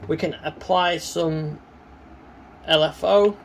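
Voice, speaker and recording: A man giving a casual, hands-on synthesizer demonstration, talking in a halting way as he works. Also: a little high, fairly even intonation, vocal fry, soft background music, poor audio. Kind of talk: casual hands-on gear demo commentary. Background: synthesizer tones.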